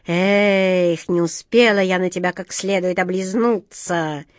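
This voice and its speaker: A woman's voice: on the low side, animated, slow, dry recording. Brief: a spiteful storybook black cat, sneering, as a woman reads her, dry sound. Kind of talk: storybook reading.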